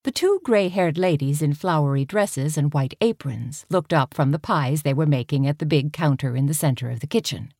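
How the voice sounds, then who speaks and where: A woman with a low, gentle voice narrates a novel in an even, unhurried manner. The sound is dry and close, with no room around her. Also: dry recording. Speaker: audiobook narrator. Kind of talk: scripted narration.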